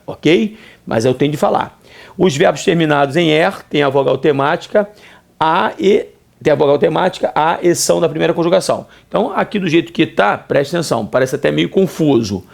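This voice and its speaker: A middle-aged Brazilian man teaching grammar in a video lesson, lively, asking himself questions in a student's voice and answering them. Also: on the high side, vocal fry. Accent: Brazilian Portuguese.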